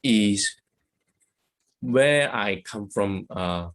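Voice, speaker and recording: A man from Malaysia, speaking in halting, hesitant phrases over a video call. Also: on the low side, animated, fairly bright tone. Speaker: guest speaker.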